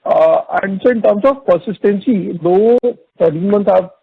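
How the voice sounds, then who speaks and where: A gravelly, husky man phones in as an analyst. He puts his questions in a halting, wordy way over a tinny telephone line. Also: sits high, no echo. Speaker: analyst caller. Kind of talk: asking questions on earnings call.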